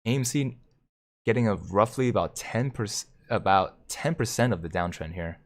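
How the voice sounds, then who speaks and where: A man hosting a live stream, commenting on stock charts and reading viewer comments aloud with excitement. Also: lowish voice, normal speed. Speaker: livestream host.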